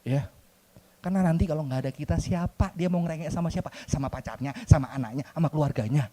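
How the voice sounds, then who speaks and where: A man preaching a sermon in a church with a Jakarta accent, an animated, joking storyteller who mixes in slang and English words. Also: on the high side, fast talker. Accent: Jakarta Indonesian.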